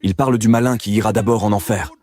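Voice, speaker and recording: A man's voice: on the low side, steady tone, fast, warm tone. A man answering an audience question in a public debate, insistent and curt, repeating his demands.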